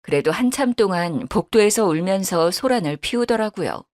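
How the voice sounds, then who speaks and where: A woman's voice: medium pitch, lively intonation, moderate pace, a little mellow. A woman in her fifties narrating a true-life story in a radio style. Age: 50s.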